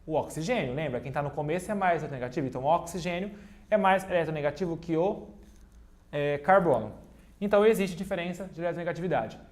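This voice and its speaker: A fast-talking man with a fairly high voice teaches a chemistry lesson on video using a digital whiteboard. Between explanations he jokes around and pokes fun at himself. He also addresses his students directly and walks through key points step by step, repeating them.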